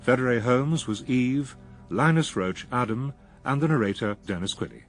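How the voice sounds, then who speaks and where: A man's voice: mid-range voice, moderate pace. A man reading a scripted programme announcement as a radio announcer. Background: music.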